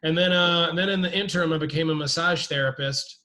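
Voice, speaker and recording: Joking man in his forties, bright. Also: on the high side, fast talker. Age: 40s. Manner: loose, joking, swears freely. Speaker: guest. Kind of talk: casual chat on a video call. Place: dim room indoors. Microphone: video call webcam.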